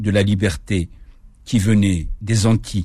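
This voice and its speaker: A man speaks with an Algerian accent. His voice is somewhat breathy. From Kabylie, Algeria. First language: Kabyle (speaking French). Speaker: poet. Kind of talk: radio interview. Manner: halting.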